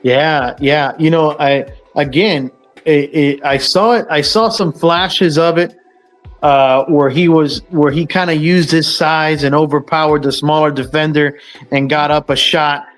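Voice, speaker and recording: A man's voice: a little high, steady tone, measured pace, faint music behind. A man hosting a casual sports talk show, rambling with lots of fillers and restarts. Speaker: sports podcast host.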